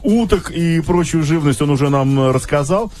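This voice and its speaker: A man's voice: on the high side, normal speed, a little mellow. A man hosting a radio talk show in the studio, chatty and teasing with his guests. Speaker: radio host.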